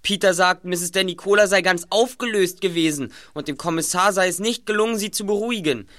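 Smart young detective kid in a radio play, high bright voice, calm and convincing. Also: male voice, fairly quick. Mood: persuasive. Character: clever teenage boy detective laying a trap. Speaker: Justus, radio play character.

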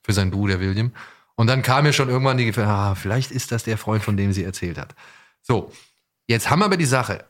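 A man's voice: lowish voice, lively intonation, fast. A man hosting a podcast in casual discussion, searching for his words and often repeating them as he goes. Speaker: podcast host.

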